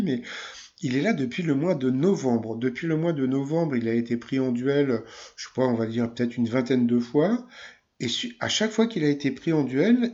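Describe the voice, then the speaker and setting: Rambling man with a mellow, dull-sounding voice. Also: mid-range voice. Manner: rambling and hesitant, full of fillers, teasing. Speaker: YouTube commentator on a TV quiz show. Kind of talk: casual commentary.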